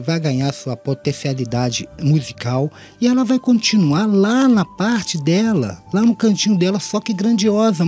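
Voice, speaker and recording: A man's voice: on the high side, warm tone. A middle-aged Brazilian man with a tongue-tied lisp and slushy s sounds, giving an earnest, informal lesson and often rephrasing his points. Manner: earnest, repeats and rephrases his points, addresses listeners formally. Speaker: host of an audio mixing tutorial channel.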